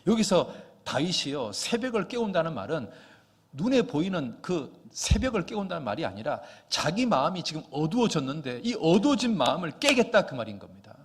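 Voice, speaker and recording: A man preaching a Sunday sermon, swinging from quiet reading to loud, impassioned exhortation. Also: on the high side, big pitch swings, a little fast, husky. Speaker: pastor. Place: church sanctuary. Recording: long church reverb.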